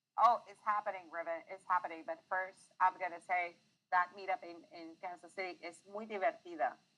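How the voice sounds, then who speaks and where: A woman speaks with a Spanish accent at a medium pitch, her tone bright and sharp. Her intonation stays flat and monotone while her loudness swings widely. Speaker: fan community livestream co-host. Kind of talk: announcement in Spanish; casual livestream chat.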